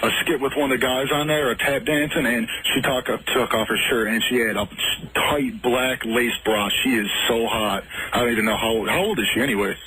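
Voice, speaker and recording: A man calling in to a radio show, chatting casually in a halting, gushing way. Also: medium pitch, steady tone. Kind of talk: casual phone chat. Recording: very noisy distant phone call.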